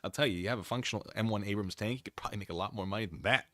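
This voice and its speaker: A man chats casually as a livestream host, rambling in a wry way. His voice sits a little low yet has a crisp, bright edge. The sound is dry and close, with very little room on it. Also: very fast, dry recording. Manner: wry, rambling, acts out imagined exchanges. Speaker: livestream host reading and answering chat. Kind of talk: casual chat with livestream viewers.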